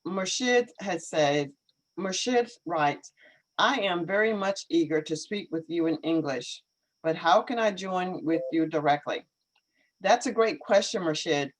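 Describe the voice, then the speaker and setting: A woman hosting a live online English lesson, speaking carefully and encouragingly with clear articulation. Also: on the low side, lively intonation, a little slow, rough recording.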